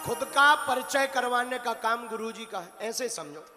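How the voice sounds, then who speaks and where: A man preaching a devotional sermon, chanting couplets slowly and breaking into loud, emphatic bursts. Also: extremely high pitch, lively intonation, big-room sound, over music. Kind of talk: devotional sermon with sung verses.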